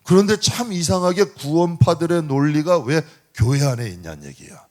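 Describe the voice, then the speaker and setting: A middle-aged man preaching a sermon as pastor, talking to the congregation in a lively, conversational way and asking them frequent rhetorical questions. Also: on the high side, normal speed. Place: church sanctuary.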